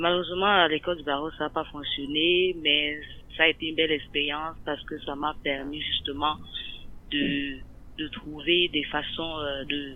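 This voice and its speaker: There is noticeable background noise. A woman speaks fairly slowly at a very deep, low pitch with monotone, flat intonation. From Cameroon. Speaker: community social worker. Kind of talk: personal testimony. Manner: halting.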